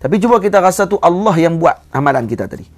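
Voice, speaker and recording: A man with a Kedah Malay accent giving a sermon as a religious teacher, teaching with animated emphasis and slowly chanting classical Arabic text. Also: on the high side.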